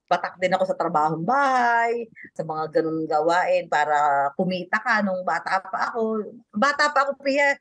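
A woman's voice: lowish voice, animated, normal speed, a bit bright, no echo. A middle-aged woman from the Philippines, chatting as a guest in an interview and laughing often. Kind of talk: casual interview chat.

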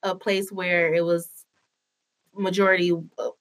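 A woman's voice: on the low side, little pitch movement, unhurried, fairly bright tone. A woman with an African American accent in a casual, candid chat, speaking informally and swearing freely.

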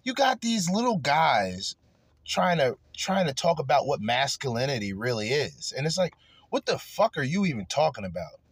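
A man's voice: on the high side, big pitch swings, moderate pace, slightly rough, no room sound. A man hosting a podcast, ranting crudely and angrily in heated commentary. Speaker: podcast host.

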